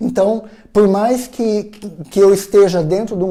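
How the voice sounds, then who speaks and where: Speaking at a fairly slow pace, a man has a high pitch and a dark, mellow tone. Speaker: therapist. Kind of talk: live stream talk. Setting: live video stream. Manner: halting.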